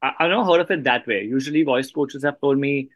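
A man's voice: mid-range voice, fast, no echo, studio quality. A man hosting a casual interview, talking in an agreeable, explanatory way. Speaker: podcast host, interviewer.

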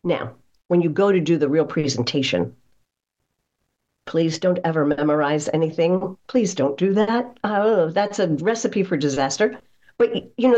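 A woman speaking as a guest voice coach, giving conversational advice in an emphatic, expressive and encouraging manner. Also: lowish voice, muffled recording.

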